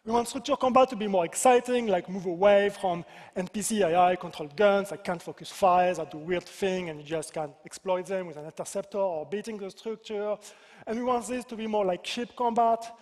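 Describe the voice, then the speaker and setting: A man's voice: high voice, brisk. French-accented man in a reverberant hall. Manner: playful, self-deprecating, joking asides. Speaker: senior game designer presenting. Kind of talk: conference presentation. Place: large convention hall.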